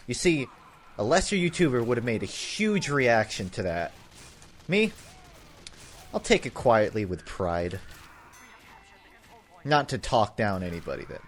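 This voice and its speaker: A man's voice: lowish voice, slight background noise. A young man giving casual, rambling commentary over his game footage, full of sarcastic, self-mocking jokes. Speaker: gaming YouTuber.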